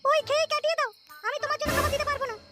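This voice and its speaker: A woman voicing a sarcastic, scolding middle-aged wife in a comic cartoon, shrill and nagging. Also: fairly even intonation, racing, pushed and bright, faint music behind.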